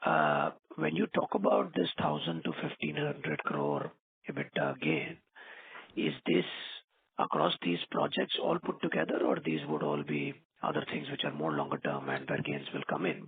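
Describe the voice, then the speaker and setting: A man's voice: a bass voice, huge pitch swings, moderate pace, vocal fry, husky, dry recording. A man asking questions as an analyst on a conference call over the phone. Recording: dry, tinny phone line.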